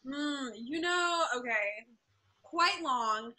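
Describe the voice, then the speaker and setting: A woman's voice: sits high, extremely slow, rough recording. A young woman from Jamaica, a guest chatting casually over a video call from her bedroom at home. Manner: relaxed, chatty, animated storytelling. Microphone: laptop webcam on video call.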